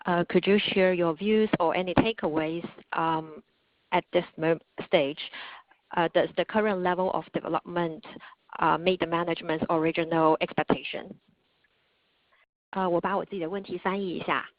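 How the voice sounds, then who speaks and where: A woman financial analyst putting formal prepared questions. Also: on the low side. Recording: dull lo-fi phone line.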